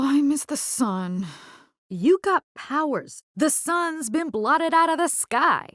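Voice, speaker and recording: Brash Latina vampire-fighting engineer, dry close sound. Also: female voice, a little high, no room sound. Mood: weary, sardonic. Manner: brash, teasing, slangy with Spanish interjections. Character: tough, wisecracking young female robotics engineer fighting vampires. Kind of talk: video game character voice lines.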